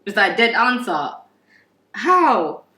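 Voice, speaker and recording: A woman on a discussion panel, talking in a casual, animated way, laughing and swearing freely. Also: medium pitch, slow pace. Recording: echoey room from far off.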